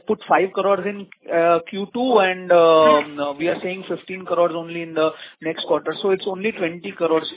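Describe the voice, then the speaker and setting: A man's voice: high-pitched, a little hiss or hum. A man, heard over a faint, feeble phone line, asking a probing question on a conference call. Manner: probing, builds a question from many figures.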